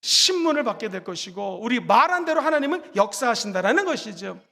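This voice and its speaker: A very high-pitched man preaches a sermon in a church sanctuary. He slips into animated voices when acting out quoted lines. His voice rings out with long hall reverb. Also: a little fast, vocal fry. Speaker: pastor.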